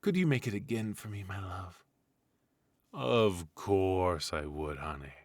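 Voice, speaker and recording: Casting: male actor as retired supervillain husband for comedy ASMR, very low, slow drawl, teasing and theatrical. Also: animated, dry recording, heavily acted. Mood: smug, doting. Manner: theatrical, drawling, mock-sinister.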